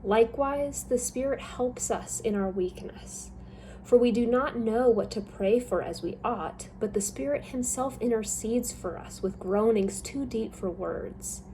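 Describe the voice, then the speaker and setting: Young woman reading scripture, mellow tone, higher voice, faint room noise. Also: unhurried, rough recording. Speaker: scripture reader. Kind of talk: Bible reading.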